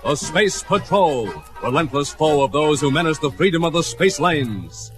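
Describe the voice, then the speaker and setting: A man's voice: fairly high pitch, animated, moderate pace. A man narrating a classic radio adventure serial in a grandiose, dramatic style. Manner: grandiose, theatrical. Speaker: announcer and narrator. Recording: old radio broadcast, faint music.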